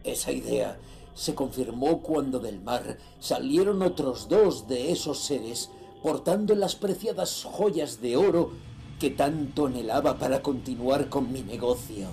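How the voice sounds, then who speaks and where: An actor from playing a ruthless sea trader, narrating his grim confession slowly and gravely in a horror audio drama. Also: mid-range voice, expressive, mellow, soft background music. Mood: ominous awe. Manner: slow, grave, dramatic delivery.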